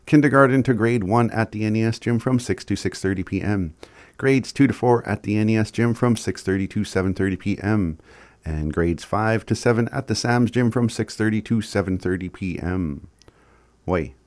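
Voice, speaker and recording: A man with an Indigenous Canadian reservation accent reads out community announcements informally, stumbling here and there. His voice is fairly low and darkish at a moderate pace, in a dry recording.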